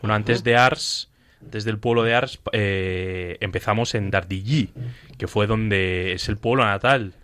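A man co-hosting a casual radio chat, relaxed and adding details and corrections. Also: on the low side, a little slow, dry recording. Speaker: seminarian co-host.

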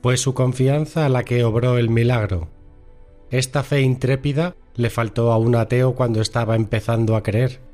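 A man reading a short moral story aloud on a radio program in a measured storytelling manner. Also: medium pitch, fairly even intonation, a little mellow, faint music behind. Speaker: story reader. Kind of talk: scripted narration.

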